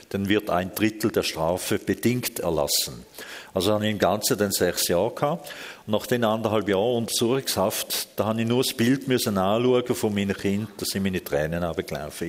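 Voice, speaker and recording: A man's voice: lowish voice, in a large hall. A man with a Swiss German accent, telling his life story in an interview in a blunt, candid, emotional way.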